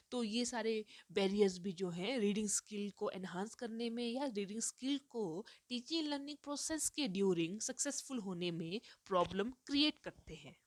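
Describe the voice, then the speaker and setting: Brief: woman lecturer, mid pitch, explains step by step with English terms mixed in, pauses on "uh", dry close recording. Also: no room sound. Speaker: teacher. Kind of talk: recorded lecture on teaching reading.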